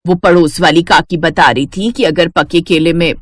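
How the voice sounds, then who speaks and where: A woman's voice: lowish voice, fairly even intonation, normal speed, no echo, natural voice. A greedy, cruel middle-aged stepmother from an audio fairy tale, played by a woman. She scolds and schemes with sly condescension, in a dry recording with no room sound. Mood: sly, coaxing. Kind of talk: acted dialogue in a Hindi audio fairy tale.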